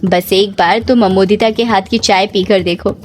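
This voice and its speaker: A woman's voice: medium pitch, fairly even intonation, normal speed, a little hiss or hum, close to an everyday voice. A woman voicing a stern, scheming middle-aged mother who pushes and scolds, in a spoken horror story. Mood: coaxing. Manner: scolding, pushy.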